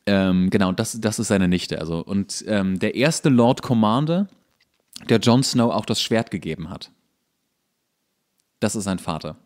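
A man with a fairly low voice speaks as a podcast co-host. He explains things in a casual, conversational way, often pausing to search for the next bit. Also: expressive, darkish tone. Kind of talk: casual chat, explaining a TV series.

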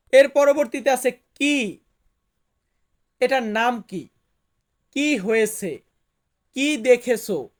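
A man teaching vocabulary in a slow lesson, repeating each word and its meaning. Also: very high voice. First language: Bengali. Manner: slow, repetitive, explains each word twice. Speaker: language teacher.

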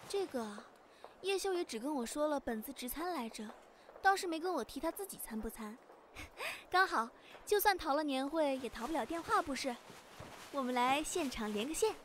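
A sweet young little sister acted by a woman in an amateur radio play. Her voice is high and playfully bossy, over faint ambient noise. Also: expressive, moderate pace, a bit bright. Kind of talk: amateur radio drama acting.

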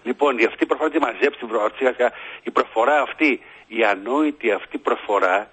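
A man's voice: mid-range voice, a bit bright, breathy edge. A man calling in to a radio show, rambling and repetitive as he mocks someone. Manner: repetitive, mimics another caller's accent. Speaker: radio caller. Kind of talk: rambling mocking call-in rant. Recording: muffled phone-in radio line.

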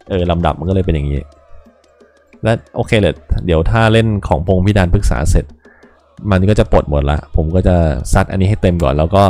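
A man's voice: sits low, warm tone. A young adult man streaming a game, chatting casually with crude slang and thinking aloud. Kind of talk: casual gameplay commentary.

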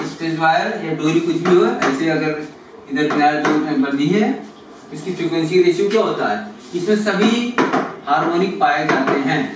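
Guy teaching physics, bit high voice, far from mic in a big echoey room with background noise. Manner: addresses students as kids, asks and answers his own questions. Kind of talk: explaining exam solutions.

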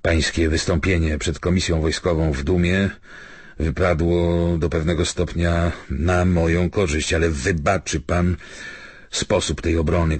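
Very deep, husky male audiobook narrator. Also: dry recording. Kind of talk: scripted literary narration, reading a documentary novel and letters.

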